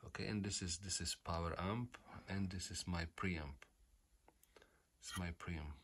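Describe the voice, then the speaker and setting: A man who is not a native English speaker, giving an unscripted hands-on repair explanation in a halting, repetitive way, often saying okay. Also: low-pitched, fairly bright tone, a little hiss or hum. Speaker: repair tutorial host. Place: indoors at home.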